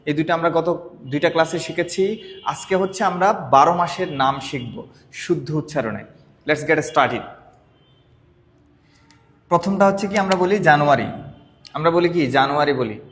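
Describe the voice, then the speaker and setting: Bengali-accented guy teaching english, high voice, repeats words slow, echoey long reverb. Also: fairly bright tone. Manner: repeats words slowly, quizzes the listener. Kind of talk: spoken language lesson.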